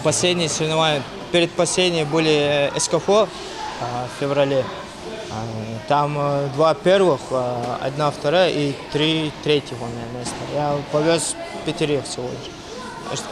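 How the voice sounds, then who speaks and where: Coach over loud music. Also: male voice, a little high, steady tone, normal speed, rough recording. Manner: barked counts and short commands in drills, hesitant fillers when answering. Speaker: martial arts coach. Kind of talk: drilling fighters, then interview answers. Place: training gym.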